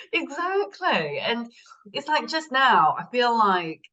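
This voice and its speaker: A woman's voice: on the high side, a bit bright. A woman hosting a podcast in a casual, chatty way with a gushing, effusive manner. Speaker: podcast host. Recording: slightly dull, lo-fi audio.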